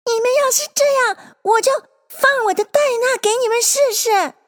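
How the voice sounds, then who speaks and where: A woman's voice: high-pitched, lively intonation, normal speed, voice pushed up. A woman voicing a curious, spirited young girl who talks to herself and scolds others. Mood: indignant. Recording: long hall reverb.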